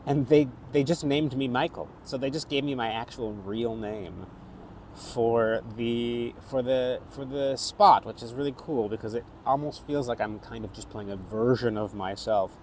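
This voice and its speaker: A middle-aged actor with a North American accent talks through his life at an unhurried, reflective pace, pausing and restarting often. His voice sits at an ordinary pitch for a man. Faint outdoor city noise with passing vehicles hums behind him. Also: darkish tone. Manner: thoughtful, halting, with frequent restarts. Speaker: actor and theatre maker. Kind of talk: reflective personal vlog.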